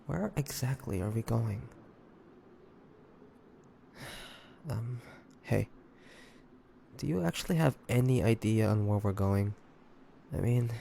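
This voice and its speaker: Man acting a slow, grudging, creaky-voiced demon hunter. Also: medium pitch, mellow, a little hiss or hum. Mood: weary, doubtful. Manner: hesitant, grudging, halting with sighs. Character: wary, stubborn young male demon hunter of 1853. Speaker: voice actor. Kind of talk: intimate audio roleplay acting, addressing the listener.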